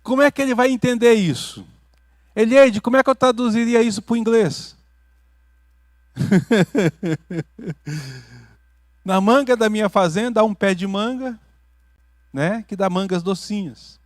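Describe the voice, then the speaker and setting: A Brazilian man preaching a teaching sermon as pastor, building to loud emphatic peaks and dropping to quiet asides, often checking in with his listeners. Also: sits high, takes it slowly, long pauses, no echo, studio quality. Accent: Brazilian Portuguese. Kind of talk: teaching sermon with questions to the congregation. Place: church hall.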